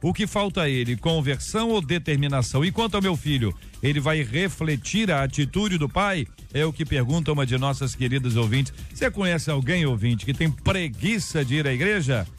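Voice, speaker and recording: A man hosting a radio debate show, presenting in a lively, conversational way to listeners. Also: on the high side, a little fast, few pauses, soft background music.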